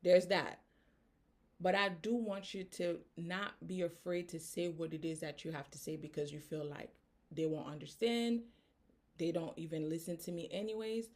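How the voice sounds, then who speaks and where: Woman coach, Haitian accent, lowish voice, earnest and direct, keeps checking in with "right?". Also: steady tone, moderate pace, darkish tone. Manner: earnest, tags statements with "right?". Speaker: business coach. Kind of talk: motivational talk to camera.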